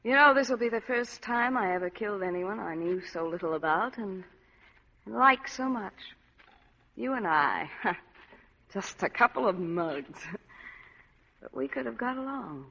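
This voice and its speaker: An actress playing a cold, scheming femme fatale in an old-time radio drama, cool and mocking. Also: female voice, medium pitch, lively intonation, unhurried, gravelly, pauses often, sharp tone, long reverb tail, exaggerated voice. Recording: dull old radio broadcast.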